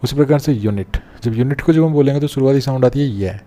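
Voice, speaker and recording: A young man teaches a grammar lesson in a patient, step-by-step way. His voice is mellow and relaxed at an ordinary middle pitch. He keeps pausing to check that his students are following. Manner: explains step by step, often checks with "theek hai na". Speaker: English teacher. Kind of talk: classroom-style grammar lesson.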